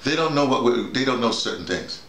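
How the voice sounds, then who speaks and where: A middle-aged man talks through his ideas as a workshop leader, with pitch that swings widely. He is emphatic, repeating words and acting out little examples. The sound is roomy, with some echo. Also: expressive, fairly quick, fairly bright tone, slight background noise. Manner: emphatic, illustrating points with acted-out examples and repetition. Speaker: audio drama workshop leader. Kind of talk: animated informal discussion. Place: small bedroom with bare walls. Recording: roomy, echoey indoor sound.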